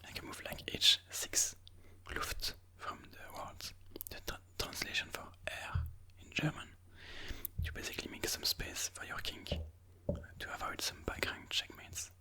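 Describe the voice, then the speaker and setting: A person whispering ASMR game commentary in a breathy, mostly unvoiced voice, slowly and soothingly thinking aloud. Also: bright, forceful tone. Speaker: ASMR chess video host.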